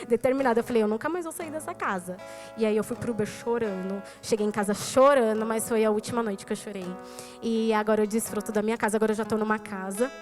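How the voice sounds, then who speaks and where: A woman's voice: a little high, fast talker, a little mellow, faint music behind. A woman with a Brazilian Portuguese accent giving a testimony in a church sermon, telling her story and speaking straight to the congregation. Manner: storytelling, addresses the congregation directly. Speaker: preacher. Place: church service.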